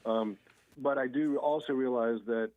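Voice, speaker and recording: A man's voice: mid-range voice, fairly even intonation, unhurried, dry recording, phone-quality sound. A middle-aged man calling into a radio show, telling stories casually with lots of fillers. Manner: rambling storyteller, many fillers. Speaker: guest on the show.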